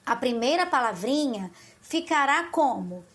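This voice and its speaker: A high-pitched woman with a Carioca accent teaches young pupils in a recorded lesson. She talks slowly and patiently, in a sing-song tone. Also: lively intonation, a bit bright. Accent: Carioca Portuguese. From Brazil.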